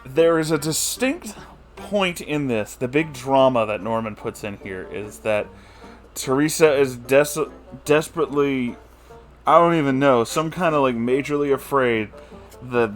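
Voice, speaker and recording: A man's voice: mid-range voice, measured pace, soft background music. A man giving a comedic recap of a book chapter, exasperated and incredulous, with laughing asides. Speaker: book reviewer.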